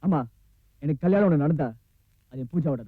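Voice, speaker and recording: A man's voice: a little high, a little fast, narrow, tinny audio, lightly acted. An actor playing an earnest young man pleading to marry the girl he loves. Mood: insistent. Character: young rich son in love, earnest. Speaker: young man, only son. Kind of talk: 1990s film drama acting.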